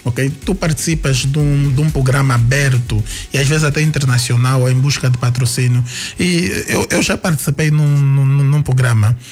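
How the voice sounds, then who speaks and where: A man speaks as a studio guest on a radio talk program. He pauses often, restarts his sentences and fills gaps as he works through his points, in an ordinary mid-pitched voice. A faint music bed sits underneath. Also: fairly even intonation. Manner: hesitant, many fillers and restarts. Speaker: guest writer. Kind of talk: radio interview answers.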